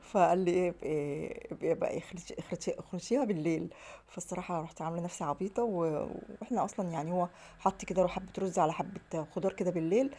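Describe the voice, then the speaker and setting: A woman's voice: lowish voice, very fast, mellow, a little hiss or hum. A woman with an Egyptian Arabic accent, telling stories in a casual home vlog and rambling on as she acts out the dialogue. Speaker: home vlogger.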